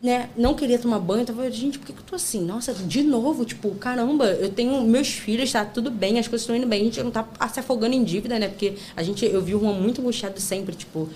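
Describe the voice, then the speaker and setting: Woman podcast guest: quick, somewhat high-pitched, chatty storyteller who acts out quotes. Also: a little mellow, slight background noise. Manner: chatty storytelling full of fillers; breaks into laughter and acts out quotes. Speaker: podcast guest, content creator. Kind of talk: casual chat.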